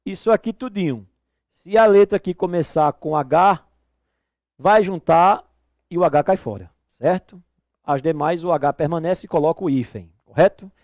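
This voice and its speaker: A male teacher talks through exam answers in a somewhat high voice. He spells out word parts slowly and keeps checking in with "right?". The recording is dry, close and slightly dull. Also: no room sound. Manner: didactic, checks in with tag questions like "né?" and "correto?". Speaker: Portuguese teacher. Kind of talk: exam-prep video lesson.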